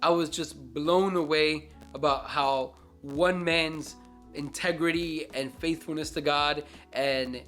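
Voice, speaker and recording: A man's voice: a little high, steady tone, slow, fairly bright tone, faint music behind. Earnest man reviewing a Christian book. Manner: earnest, reflective, preacherly.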